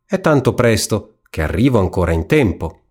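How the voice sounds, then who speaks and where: A man voicing an innocent little girl in a red hood in a spoken storybook, high and wide-eyed. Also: big pitch swings, moderate pace, a little mellow, slightly rough.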